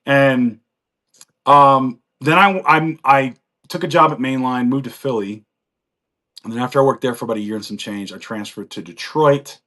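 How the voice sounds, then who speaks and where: On a live chat, a forties-aged American guest tells the story of his life in a rambling, laugh-filled way. He speaks at a moderate pace in a medium-pitched voice that sounds pushed and bright.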